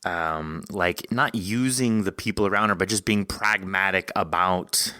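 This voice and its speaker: A man with a fairly low, forward and bright voice, recorded close and very dry. He speaks as a podcast host in conversation, feeling his way through long, halting questions. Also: no room sound. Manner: halting, thinking aloud, rambling questions. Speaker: podcast host interviewing an author. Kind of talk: conversational interview.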